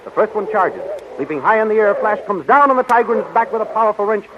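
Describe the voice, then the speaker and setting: A man's voice: high voice, lively intonation, fast talker. A man narrating a 1930s radio serial in a dramatic, urgent, declamatory style. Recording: muffled, noisy 1930s radio recording.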